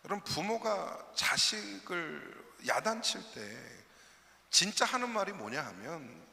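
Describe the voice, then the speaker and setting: A man's voice: a little high, very animated, takes it slowly, gravelly, bright, forceful tone, long reverb tail. A man preaching a sermon as a pastor, telling a story and speaking directly to his congregation. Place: church sanctuary.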